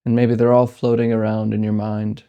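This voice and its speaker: A man leading a guided meditation as host, speaking gently in unhurried phrases with deliberate pauses. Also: on the low side, completely flat delivery, clear, resonant tone, muffled recording.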